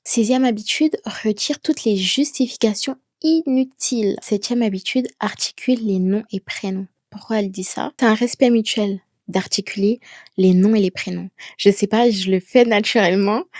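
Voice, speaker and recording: A woman vlogger talking to camera, giving speaking tips slowly and deliberately, with pauses she lets stand. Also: medium pitch, darkish tone, no room sound, clean studio sound. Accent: an accent of her own that people ask about. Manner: slow, deliberate, with chosen pauses. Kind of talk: casual talking-head advice. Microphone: camera mic, speaking to camera.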